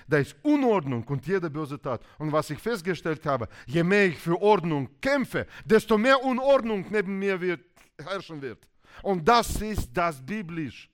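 Male preacher, lively storytelling sermon, voice on the higher side. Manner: animated, acts out quoted couples in varied voices.

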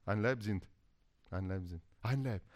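Animated preacher. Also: male voice, on the low side, a little slow. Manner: animated, acts out quoted couples in varied voices. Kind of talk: sermon.

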